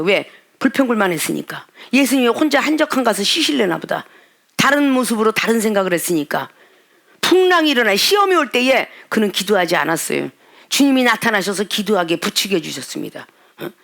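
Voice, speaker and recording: A woman pastor preaching a sermon with fervor, moving from quiet asides to crying shouts and firing off scolding rhetorical questions. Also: fairly high pitch.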